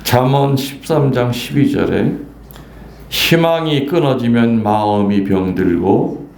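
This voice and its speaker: A man's voice: lowish voice, vocal fry, darkish tone, slight background noise. An older man, a Catholic priest, giving a playful sermon, teasing the congregation and acting out voices in a folk story. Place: church. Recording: echoey church room, faint ambience.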